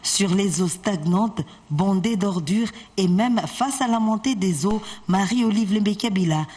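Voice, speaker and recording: A woman reading a formal news report as a voice-over, steady and even. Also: medium pitch, measured pace, husky.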